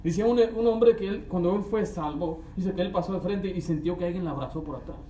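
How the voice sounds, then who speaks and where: High-voiced preacher in an echoey church. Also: male voice, quick pace, mellow, a little hiss or hum. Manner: conversational preaching with anecdotes and acted quotes. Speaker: pastor. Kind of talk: sermon. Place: church sanctuary. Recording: echoey church room with faint ambience.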